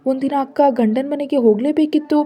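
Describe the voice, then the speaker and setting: A woman's voice: high-pitched, brisk, dark tone, pitched above the performer's own voice, natural voice. A woman voicing a defiant seventeen-year-old girl who talks back in a mocking, pert way.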